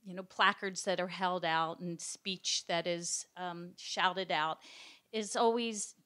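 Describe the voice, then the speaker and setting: A woman's voice: fairly low pitch, fairly even intonation, takes it slowly, pushed and bright. A woman in a lecture audience asking a long question carefully and hesitantly, with many fillers. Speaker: audience member.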